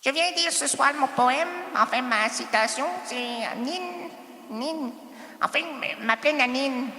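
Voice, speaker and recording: A man's voice: very high voice, takes it slowly, bright, forceful tone, roomy sound, big-room sound. A man with a Québécois accent improvising a comic stage monologue, rambling, interrupting himself and teasing the audience. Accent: Québécois French. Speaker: improv performer and host.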